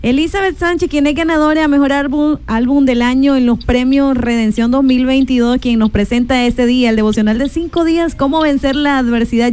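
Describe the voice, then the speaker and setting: A woman's voice: on the high side, a little mellow, clean tone. A woman co-hosting a Christian radio show, announcing in a formal, upbeat presenter manner. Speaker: radio co-host. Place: radio studio.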